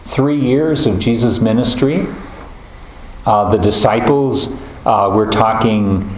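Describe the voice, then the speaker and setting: A man leading a group Bible study, talking in a halting, thoughtful way with many fillers and restarts. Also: on the low side, a little hiss or hum. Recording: roomy echo, faint ambience.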